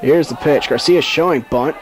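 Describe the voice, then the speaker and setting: A man's voice: on the high side, moderate pace, over music. A man calling live baseball play-by-play as a sports commentator. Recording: outdoor ballpark background noise.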